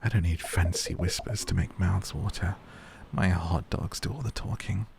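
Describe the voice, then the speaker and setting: A smooth hot dog vendor man. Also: low-pitched, steady tone, normal speed, darkish tone, slight background noise. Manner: smooth, boastful, flowery.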